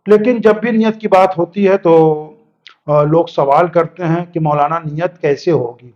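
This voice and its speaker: A man's voice: on the high side, highs cut off. A male cleric giving a religious lesson, explaining step by step, mixing English words in and repeating points for emphasis. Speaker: Islamic cleric teaching religious rulings.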